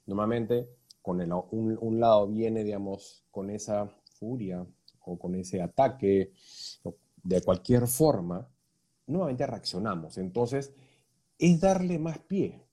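Co-host guy, husky and warm, talks things through thoughtfully. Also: on the low side, slow pace. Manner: reflective, explaining with examples, frequent tag questions. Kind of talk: casual conversation on emotions.

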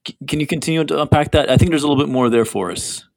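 A man hosting a conversation, asking gentle follow-up questions with some stammering. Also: on the high side, lively intonation, rapid-fire, vocal fry, a little hiss or hum. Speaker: host.

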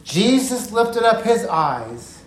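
A man teaching through a Bible passage on a podcast, telling it in an earnest, reflective way and slowing down for emphasis. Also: high-pitched, very animated. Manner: earnest, reflective storytelling with slow emphatic quotes. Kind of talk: podcast Bible study talk. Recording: echoey room.

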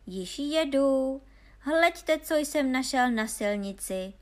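Lady reading a storybook, doing a silly happy farm boy, high and loud, brags a lot. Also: lively intonation, close to an everyday voice. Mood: boisterous. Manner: boastful, loud and carefree. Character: foolish cheerful young peasant lad.

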